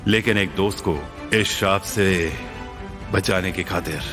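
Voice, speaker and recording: A stern middle-aged father in a dubbed film. His voice sits very low. He explains things slowly and with firm authority. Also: fairly even intonation, over music.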